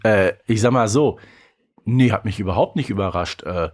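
A man's voice: lowish voice, normal speed. A man co-hosting a podcast in casual chat, rambling and colloquial, often seeking agreement. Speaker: podcast co-host. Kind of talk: casual chat about audio drama episodes.

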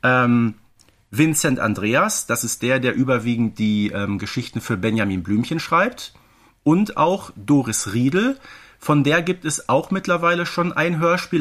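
A man's voice: mid-range voice, expressive, moderate pace, fairly bright tone. Conversational man co-hosting a podcast. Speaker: podcast co-host.

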